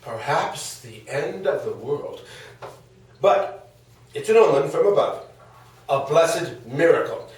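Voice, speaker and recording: A man's voice: a little high, expressive, slow, long pauses, a little mellow. Echoey, mock-sweet philosopher husband played by a man. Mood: wryly agreeable. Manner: hesitant, wordy, mock-sweet, theatrical. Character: aging ancient Greek philosopher husband, smugly amused. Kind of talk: comedic stage table read. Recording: very echoey room, distant microphone.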